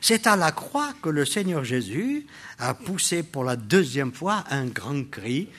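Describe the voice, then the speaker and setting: An older man preaching a sermon, addressing the congregation with rhetorical questions, swinging between loud exclamations and quiet asides. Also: fairly high pitch, very animated, a little slow, husky.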